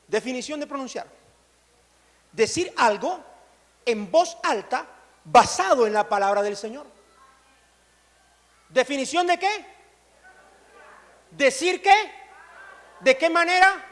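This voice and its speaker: High-voiced pastor preaching in a reverberant hall. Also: male voice, fairly bright tone. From Colombia. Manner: call-and-response, urging the congregation to repeat phrases. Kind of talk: sermon. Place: large church hall.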